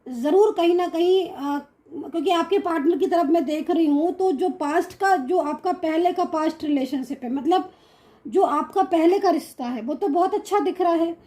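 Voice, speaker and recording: A woman with an Indian accent giving a general tarot reading to her viewers, mixing English words into Hindi, with many pauses and reassuring asides. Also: extremely high pitch, warm tone. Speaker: tarot card reader.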